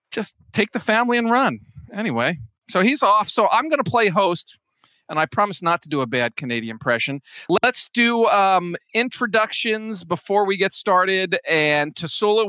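Male podcast host on a video call, bright and dry, joking and chatty, trips over his own sentences. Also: high-pitched, expressive, normal speed, no echo. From United States. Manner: chatty, joking, self-correcting. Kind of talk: live-streamed fan podcast chat. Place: home, video chat.

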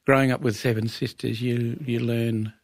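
A man in his seventies from Western Australia with an Aboriginal Australian accent, reminiscing conversationally as an interview guest, pausing and repeating words as he tells his story. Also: medium pitch, little pitch movement, creaky. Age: 70s.

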